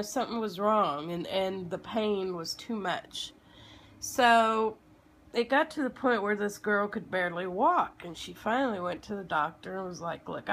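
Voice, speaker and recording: A woman in her thirties with a slightly froggy, under-the-weather voice, telling a personal story informally and haltingly, as if to children. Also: mid-range voice, fairly bright tone. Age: 30s. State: sick with a lingering illness.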